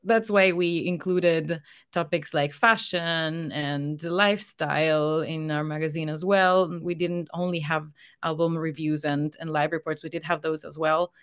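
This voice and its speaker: A woman whose first language is Spanish talks as a podcast guest in a casual, conversational way. Her voice sits a little low. She speaks into a studio microphone in a small room at home. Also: steady tone, measured pace, clean tone. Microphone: studio condenser mic on boom arm, headphones.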